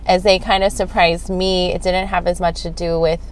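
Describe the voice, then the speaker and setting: A woman hosting a true crime video channel gives informal commentary, walking viewers through figures step by step. Her voice is on the low side with little pitch movement at a moderate pace, and the poor audio has some hiss or hum.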